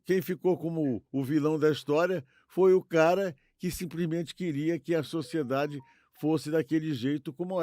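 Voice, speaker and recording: An older man with a Brazilian Portuguese accent chatting casually as a podcast co-host, halting and repeating words, often seeking agreement. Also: fairly high pitch, darkish tone, no room sound, clean studio sound. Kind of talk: casual chat.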